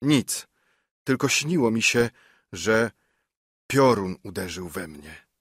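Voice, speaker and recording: A man's voice: fairly low pitch, expressive, takes it slowly, a bit bright, breathy edge, dry recording, clean studio sound, exaggerated voice. A man voicing a shaken young lad. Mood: frightened. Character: frightened young working lad, shaken and earnest.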